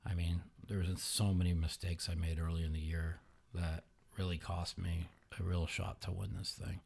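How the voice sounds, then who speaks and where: A man hosting a podcast in casual sports betting talk, sluggish and halting, with many fillers and restarts, sometimes speaking quietly. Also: sits low, level tone, creaky, husky. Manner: talks quietly at times. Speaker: podcast host.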